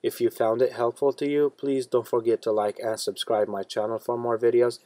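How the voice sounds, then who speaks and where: A man hosting a step-by-step tech tutorial in a plain, steady instructional manner. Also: medium pitch, moderate pace, no echo. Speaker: tutorial host.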